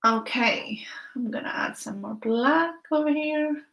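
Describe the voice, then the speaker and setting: Female art tutor, slightly high pitch, very unhurried delivery, casual thinking-aloud live class style. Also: creaky, fairly bright tone, low-quality recording. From Finland. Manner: unhurried, thinking aloud in short phrases while painting. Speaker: art teacher. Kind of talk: casual live painting tutorial with viewer chat.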